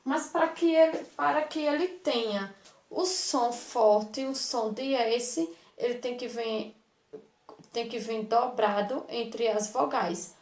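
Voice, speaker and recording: A woman's voice: a little high, slow, darkish tone, echoey room. A woman teacher giving a recorded lesson to children, talking affectionately, asking questions back and sounding out words one by one.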